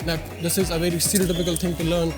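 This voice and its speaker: A man's voice: on the high side, little pitch movement, racing, over music. A man with a Bengali Indian accent hosting a motivational vlog, speaking emphatically and repeating his phrases as he addresses viewers. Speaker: YouTube channel host.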